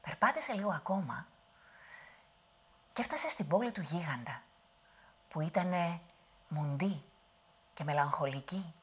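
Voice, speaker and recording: Husky, lively woman storyteller. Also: lowish voice, pauses often. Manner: dramatic, drops to whispers. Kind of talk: oral storytelling performance.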